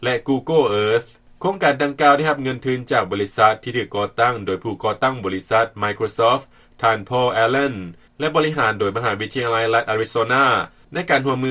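Bright, forceful Lao-accented male reporter. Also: medium pitch, moderate pace. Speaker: news reporter. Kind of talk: scripted news report.

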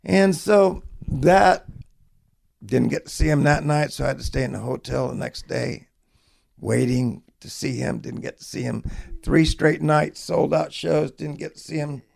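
A middle-aged man, a songwriter telling stories in an interview with lively acted-out quotes. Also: a little high, unhurried, gravelly. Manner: folksy, animated storytelling with acted-out quotes. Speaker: songwriter guest. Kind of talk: storytelling interview.

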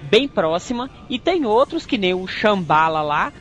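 A woman co-hosting a casual podcast who talks in a quick, irreverent, joking way. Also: mid-range voice, sing-song, background noise. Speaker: podcast co-host.

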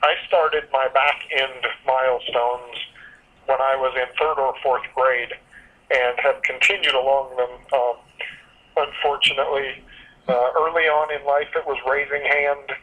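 A man in his thirties from Washington State, answering interview questions over a phone call in an articulate, measured way. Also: mid-range voice, level tone. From Washington State, USA. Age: 30s. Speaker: guest poet.

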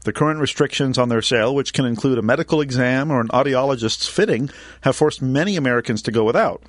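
A man co-hosting a tech radio talk show, reading news items in a steady, even way. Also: medium pitch, fast, no room sound, studio quality. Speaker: co-host.

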